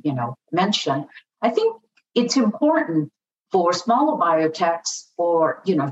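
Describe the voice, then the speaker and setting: A woman speaking as a podcast guest, halting, with many fillers and restarts. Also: fairly low pitch, a little hiss or hum. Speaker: podcast guest, biotech partnering advisor. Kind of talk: conversational panel discussion. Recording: distant, echoey, dull remote audio.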